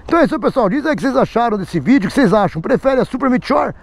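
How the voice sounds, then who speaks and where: A man's voice: very high voice, animated, racing. A man with a Brazilian Portuguese accent chatting casually to his viewers, recorded outdoors in light rain. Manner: chatty, repeats "né?" and "pessoal". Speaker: motorcycle vlogger. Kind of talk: casual vlog talk to viewers.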